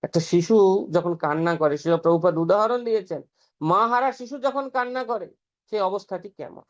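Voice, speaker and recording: A man's voice: sits high, animated, normal speed. A man giving an earnest devotional scripture talk, explaining step by step and chanting some passages aloud. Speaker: preacher. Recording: dull lo-fi recording.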